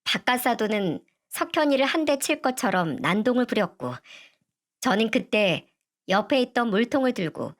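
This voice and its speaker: A middle-aged woman reading a first-person family story aloud. Her voice sits a bit high for a woman, and she keeps a steady, even storytelling pace.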